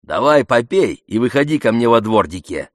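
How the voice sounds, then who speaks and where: A man's voice: mid-range voice, sing-song, moderate pace, dry recording, studio quality, lightly acted. A man voicing an easygoing adult man who jokes and teases in a friendly way. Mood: playful. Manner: playful, teasing.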